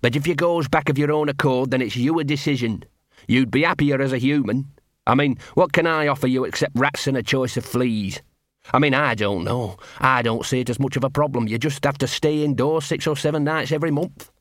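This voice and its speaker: A man's voice: medium pitch, brisk, no echo, studio quality, lightly acted. Man voicing a nervous rambling scruffy dog. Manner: rambling, ungrammatical, wheedling. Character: nervous streetwise scruffy male talking dog.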